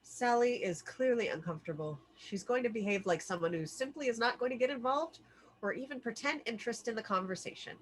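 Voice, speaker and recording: A woman's voice: on the high side, a little fast, rough recording. A woman narrating the scene headings and action lines of a screenplay at a table read. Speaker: stage-direction reader. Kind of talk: scripted narration of screenplay directions.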